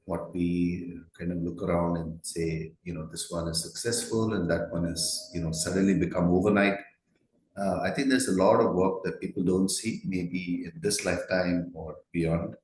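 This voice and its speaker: A man with an Indian accent hosting a conversational interview in a halting, reflective way. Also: low-pitched, steady tone, darkish tone. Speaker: podcast host, interviewer. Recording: echoey room.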